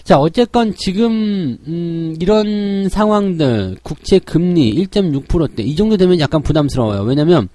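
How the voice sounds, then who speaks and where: Slightly hoarse man giving a market briefing. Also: a little high, animated, normal speed, hardly any pauses, dark tone. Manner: explanatory, frequent "자" openers. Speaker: stock market commentator.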